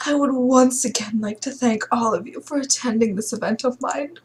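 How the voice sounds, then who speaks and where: A woman's voice: on the high side, moderate pace, lightly acted. A woman voicing a gracious aging aristocratic man who hosts a grand ball, speaking formally in an acted game reading. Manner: formal, courtly speechmaking.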